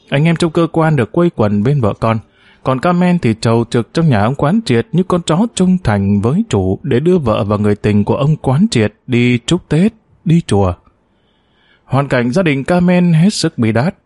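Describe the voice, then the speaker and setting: A man's voice: medium pitch, no echo. Man narrating an audiobook, dry sound. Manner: measured, steady storytelling.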